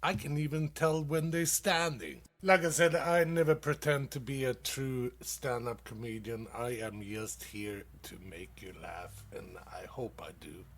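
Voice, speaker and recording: A man from Sweden, hosting a dad-joke comedy show and laughing loudly at his own punchlines. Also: mid-range voice, a little slow, hardly any pauses. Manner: casual, calls listeners dude. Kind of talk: dad-joke stand-up on internet radio.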